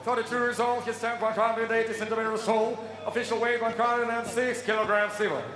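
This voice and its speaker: High, booming male arena announcer in echoing hall. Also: little pitch movement, fairly bright tone. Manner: booming, drawn-out showman delivery. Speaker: ring announcer. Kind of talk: arena announcer introducing fighters. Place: boxing ring in a large indoor arena. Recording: echoey arena hall with faint noise.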